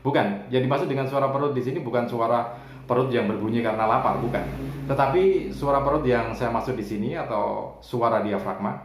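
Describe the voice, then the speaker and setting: A man's voice: mid-range voice, brisk, noisy background. A man giving a chatty public speaking lesson to camera, with frequent tag fillers. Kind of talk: spoken voice tutorial to camera. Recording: roomy echo.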